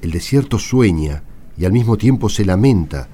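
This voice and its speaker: A man plays a grim Bedouin of the caravan in a radio drama. The deep voice swings widely in pitch with dramatic intensity and a Rioplatense accent. There is music behind it. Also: animated, normal speed, dark tone, a little hiss or hum, close to an everyday voice. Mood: wistful. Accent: Rioplatense Spanish. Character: grim, urgent male Bedouin caravan traveller. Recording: music under the voice.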